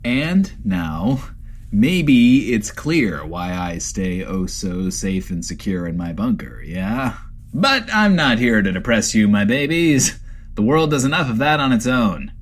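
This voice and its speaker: A man playing a smooth-talking, soothing post-apocalyptic radio host in a comedy audio drama. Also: fairly low pitch, very animated, slow, heavily acted. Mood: reassuring.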